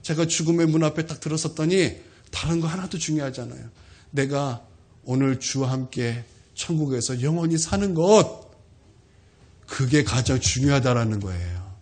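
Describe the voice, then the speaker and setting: A man's voice: medium pitch, moderate pace, darkish tone, breathy edge. A middle-aged man, a pastor, preaching a sermon in a church, telling stories and calling out to the congregation. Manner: emphatic preaching with rising calls to the congregation, storytelling asides. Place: church sanctuary.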